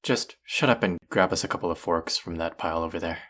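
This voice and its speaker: Casting: male actor as arrogant chef with a low voice, sardonic and needling, secretly fond of his rival, for intimate audio roleplay. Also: fast, fairly bright tone. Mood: teasing, defensive. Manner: teasing, sardonic, condescending. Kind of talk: intimate audio roleplay acting addressed to listener.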